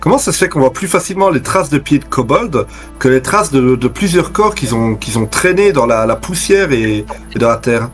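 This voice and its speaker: Man, average pitch, tabletop player, casual discussion, thinking aloud, light music behind. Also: lively intonation, moderate pace. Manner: reasoning aloud, colloquial. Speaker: tabletop role-playing player.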